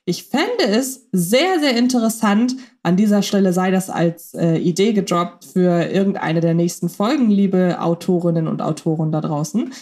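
A woman's voice: on the low side, normal speed, few pauses, dark tone. A woman co-hosting a fan podcast, chatting casually and thinking aloud with questions. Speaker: podcast co-host.

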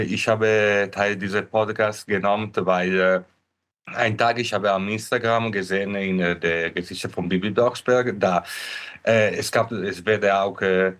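Mann um dreißig mit fremdsprachigem Akzent. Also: male voice, low-pitched, a bit bright. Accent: foreign. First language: not German. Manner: halting, careful phrasing. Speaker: podcast guest.

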